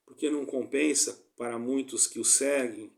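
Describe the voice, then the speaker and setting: The man's intonation is monotone and flat. He speaks at a fairly slow pace and a medium pitch. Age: 60s. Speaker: lay preacher. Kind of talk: sermon. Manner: halting.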